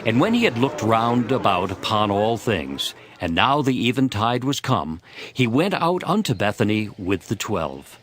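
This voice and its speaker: A man reading scripted scripture narration in a measured storytelling manner for a dramatized Bible recording. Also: lowish voice, big pitch swings.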